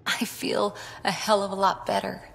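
An actress playing a loyal, self-doubting human lieutenant in a video game, earnest and steady. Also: female voice, medium pitch, normal speed, gravelly, music in the background, lightly acted.

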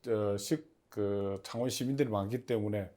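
A man giving formal, somewhat halting interview answers as the head of a public agency, as if partly reading prepared notes. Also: lowish voice, warm tone.

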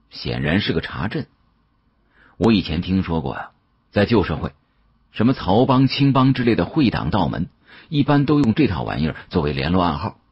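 Low raspy guy reading an audiobook, swings up and down a lot, dry dull sound. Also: no echo. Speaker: audiobook narrator. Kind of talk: animated first-person storytelling narration.

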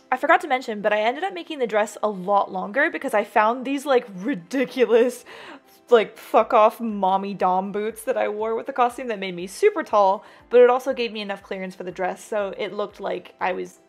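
A woman's voice: mid-range voice, moderate pace, soft background music. A young woman hosting a casual crafting vlog, chatty and playful, swearing freely as she walks through her costume. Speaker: cosplayer and video host.

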